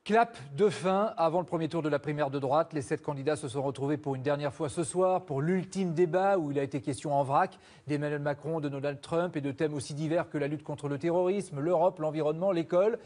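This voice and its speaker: Male TV news presenter, standard French accent, fairly high register, soft-edged tone, for headlines and press review. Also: fairly quick, hardly any pauses. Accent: standard French from France.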